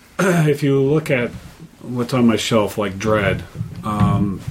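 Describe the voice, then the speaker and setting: There is noticeable background noise behind a man at medium pitch. He speaks fairly slowly, with ordinary pitch variation. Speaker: indie game developer. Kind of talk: casual chat.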